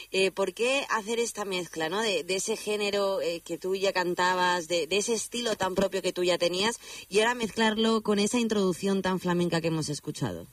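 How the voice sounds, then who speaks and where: A man's voice: high-pitched, fairly bright tone, no room sound, distant mic. A man interviewing a singer, asking friendly, rambling questions. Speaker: interviewer and journalist.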